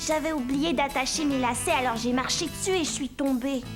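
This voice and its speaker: An actor playing an excitable, cheerful young boy in a French children's cartoon, with a bubbly childlike manner. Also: sits high, fairly quick, music in the background, close to an everyday voice. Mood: chatty.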